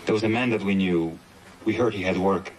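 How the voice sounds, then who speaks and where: Nervous romanian crook guy actor doing it, lowish voice, talks fast, tv cop show. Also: natural voice, rough recording. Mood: anxious. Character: anxious male Romanian criminal suspect. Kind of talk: TV crime drama acting.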